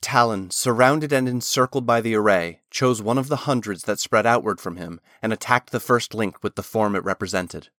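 A man reading a fantasy novel chapter aloud as a narrator, in a steady, measured storytelling manner. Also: fairly low pitch, dry recording, studio quality.

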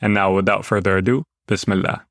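A man's voice: low voice, steady tone, brisk, noisy background. A man hosting a podcast interview, reading the intro and then asking his guest questions in a friendly, upbeat way. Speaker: podcast host.

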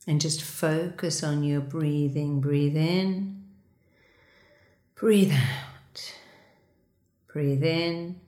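A woman leading a guided meditation, giving slow, soothing, repetitive instructions for breathing and a body scan. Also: sits low, dark tone, echoey room.

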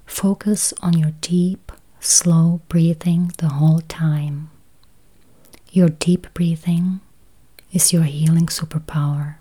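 Woman whispering a slow guided meditation, low soft breathy voice, really mellow. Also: steady tone. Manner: slow, soothing, with long pauses.

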